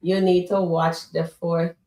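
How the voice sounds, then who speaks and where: A woman's voice: on the low side, little pitch movement, takes it slowly, mellow. Woman, casual chat, short agreeing replies, echoey room. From Jamaica. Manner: brief agreeing replies, reads out viewer comments. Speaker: live stream co-host.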